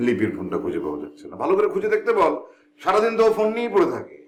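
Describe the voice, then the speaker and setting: A man's voice: on the high side, wildly swooping pitch, very fast, echoey room, a little hiss or hum. An actor playing a drowsy middle-aged man who lectures his family after being woken. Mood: lecturing. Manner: groggy, fussy, lecturing. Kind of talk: TV drama acting.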